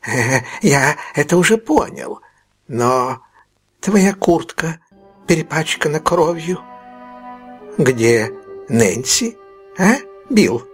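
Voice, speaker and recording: A man's voice: fairly high pitch, big pitch swings, slow pace, long pauses, soft background music, voice pushed up. A man voicing a frantic, miserly old male fence who cries out in panic. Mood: alarmed.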